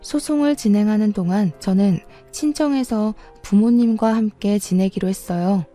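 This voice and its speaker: Woman reading a drama story out, soft dark voice, faint music underneath. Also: mid-range voice. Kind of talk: scripted first-person story narration.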